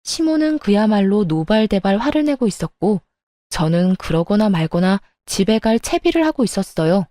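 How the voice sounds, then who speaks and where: Woman, first-person story narration, matter-of-fact, mellow tone, dry recording. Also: mid-range voice, no echo.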